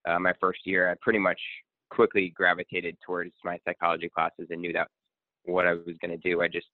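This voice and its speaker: A man from Connecticut, a guest speaker and coach, talking in a relaxed, rambling way with many ums. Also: low-pitched, fairly quick, no echo. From Connecticut, USA. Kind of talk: casual interview. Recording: tinny phone-line sound.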